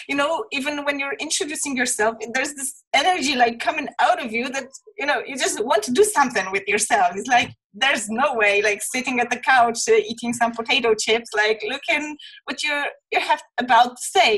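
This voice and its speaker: A woman's voice: sits high, moderate pace, fairly bright tone, slightly rough, rough recording. A woman hosting an interview, talking in a friendly, rambling way with many fillers. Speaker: interview host. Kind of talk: casual interview chat.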